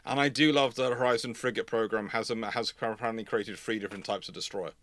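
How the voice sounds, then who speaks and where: A man's voice: on the low side, steady tone, quick pace, a bit bright, dry recording. A man with a British accent hosting an unscripted live chat, rambling and rephrasing himself as he explains. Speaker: host of a live history stream.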